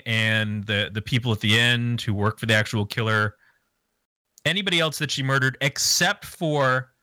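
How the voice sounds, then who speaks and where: A man's voice: medium pitch, bright, forceful tone, no echo. A man casually recapping a movie plot on a podcast, rambling and joking crudely. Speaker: podcast co-host. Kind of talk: casual movie review chat.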